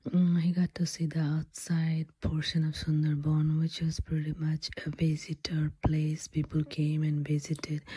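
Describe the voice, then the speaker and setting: A woman doing ASMR storytelling in a breathy whisper, halting between short phrases. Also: sits low, warm tone.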